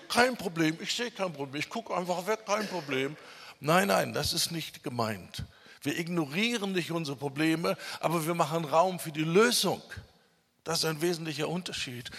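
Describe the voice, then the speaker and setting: A man preaching a sermon with emphasis, drawing out key words slowly when he lists them. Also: on the high side, creaky, a bit bright. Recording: long reverb of a hall.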